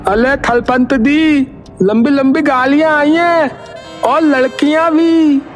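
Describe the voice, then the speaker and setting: A man playing an alarmed, excited villager calling out urgently in a story. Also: very high-pitched, takes it slowly, soft background music.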